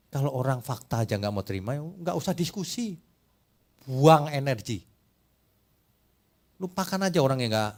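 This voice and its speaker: A middle-aged man from Indonesia preaching a sermon as pastor, animated and teasing, firing rhetorical questions at the congregation and acting out quoted voices. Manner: acts out quoted voices in a higher pitch.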